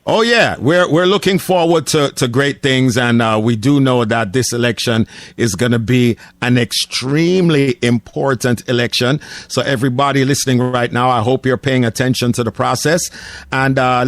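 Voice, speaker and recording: A man hosts a casual radio interview in a studio. He talks in a laid-back way, dotting his questions with "uh" fillers. His voice sits at a middle pitch and sounds dry and close to the mic. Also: moderate pace, no echo. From Jamaica. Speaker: radio host.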